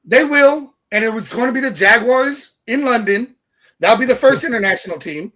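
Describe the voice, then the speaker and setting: Bright high-voiced man on sports chat. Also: lively intonation, moderate pace. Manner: rambling, repeats words.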